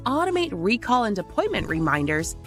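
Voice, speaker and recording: A woman reading a polished, upbeat scripted ad for software. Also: mid-range voice, big pitch swings, brisk. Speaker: ad voice-over. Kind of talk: scripted ad read. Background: music bed.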